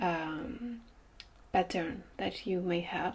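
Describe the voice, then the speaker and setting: With a French accent, a woman speaks at a medium pitch. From France. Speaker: philosopher. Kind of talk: casual monologue. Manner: halting, with many fillers and repeats.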